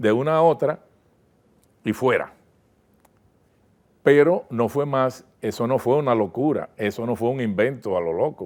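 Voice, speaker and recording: In a very clean recording with a silent background, a man at medium pitch speaks at a fairly slow pace with long, frequent pauses. His intonation is lively. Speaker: broadcaster and advertising professional, columnist. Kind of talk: interview answer.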